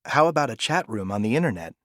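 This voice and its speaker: A man's voice: medium pitch, big pitch swings, fast, fairly bright tone, no echo, clean studio sound. A man playing a student whose first language is Japanese, giving brief, plain answers in class. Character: young male student in class.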